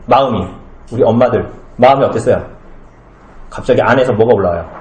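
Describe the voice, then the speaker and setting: A man's voice: medium pitch, brisk, darkish tone. A man preaching a sermon as pastor, talking conversationally, asking his congregation questions and acting out little comic scenes. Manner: acts out short comic scenes with changed voices. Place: small church hall. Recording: echoey room.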